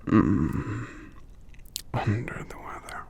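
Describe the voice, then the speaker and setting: A man playing a sick, gentle giant lover in an ASMR roleplay, murmuring drowsily and tenderly in a breathy whisper with gravelly hums. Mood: weary, affectionate. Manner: slow, tender, halting, murmuring hums between phrases. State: drowsy, under the weather.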